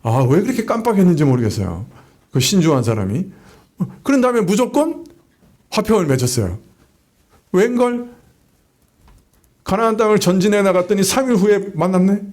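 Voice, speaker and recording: A man's voice: sits high, very animated, moderate pace, long pauses, a little mellow. A male pastor giving a conversational sermon, retelling stories with acted-out quotes and asking the congregation questions. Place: church.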